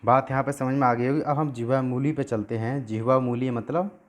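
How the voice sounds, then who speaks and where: A male teacher giving an explanatory lesson at a board. He asks questions and answers them himself, and sounds out each letter slowly to demonstrate. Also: mid-range voice, steady tone.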